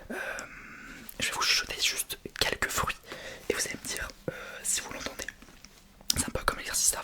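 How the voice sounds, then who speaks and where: A man whispering over noticeable background noise. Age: 20s. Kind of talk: ASMR roleplay, medical exam scenario. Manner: whispered.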